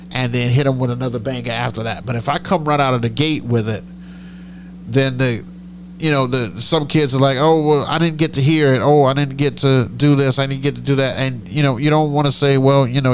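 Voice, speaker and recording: With background noise in the mix, a middle-aged man with a nasal, mid-range voice chats his way through a live DJ stream. He answers viewer comments in a chatty, rambling manner, often correcting himself.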